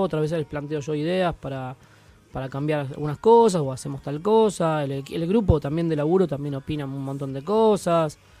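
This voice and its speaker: The voice has a dark, mellow tone and ordinary pitch variation at a moderate pace. The sound is dry, with no echo. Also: man. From Buenos Aires city, Argentina. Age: 30s. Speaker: band manager and music press agent; guest. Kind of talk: radio interview. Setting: radio studio.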